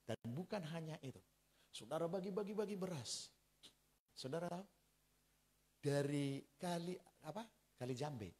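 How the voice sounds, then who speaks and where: A man's voice: fairly high pitch, moderate pace, long pauses, husky. A man, preaching a sermon as a pastor and telling stories straight to the congregation. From Central Java, Indonesia. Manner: animated storytelling, addressing the congregation directly.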